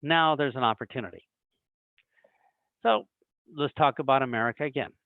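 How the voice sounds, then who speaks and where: A man's voice: mid-range voice, normal speed, no room sound. A man giving a recruiting training talk on a video call, acting out little dialogues as he explains. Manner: animated, acts out little dialogues. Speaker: webinar presenter. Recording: dry tinny phone-like online call audio.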